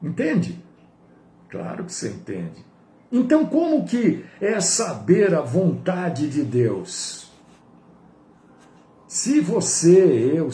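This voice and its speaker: A man, a pastor, preaching a sermon in an animated way, swinging from high to low. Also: reverberant, a little hiss or hum.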